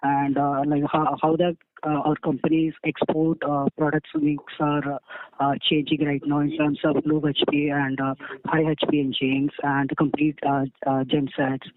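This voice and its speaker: A man working as a financial analyst asks questions on an earnings call in a halting, deferential, repetitive way. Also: on the high side, completely flat delivery, slight background noise. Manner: halting, deferential, repeats himself. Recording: tinny phone line.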